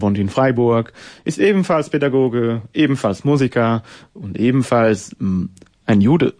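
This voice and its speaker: A man's voice: mid-range voice, darkish tone. A man in his twenties, born and raised in Israel with Hebrew as his first language, hosting a radio show with scripted narration and reflective interview questions. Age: 20s.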